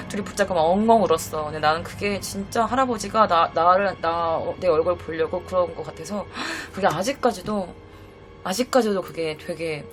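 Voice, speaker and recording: Young Korean woman telling a personal story. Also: fairly low pitch. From South Korea. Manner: emotional, halting storytelling with many restarts. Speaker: host. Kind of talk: live-streamed ghost story telling. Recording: faint music under the voice.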